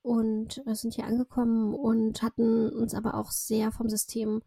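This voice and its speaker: A woman in her thirties who grew up speaking Russian, with a fairly high voice that stays flat in melody and carries a gravelly fry. Her tone is dark and breathy, recorded dry and close. She talks as a guest in a rambling, reflective way, full of fillers and self-corrections. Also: moderate pace, no room sound. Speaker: podcast guest, entrepreneur. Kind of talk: casual interview chat.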